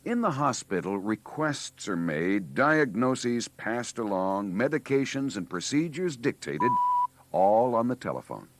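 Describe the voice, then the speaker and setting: A man's voice: medium pitch, sing-song, a little slow, a little hiss or hum. A man reading scripted narration for a 1980s training filmstrip, with a preachy, wry delivery.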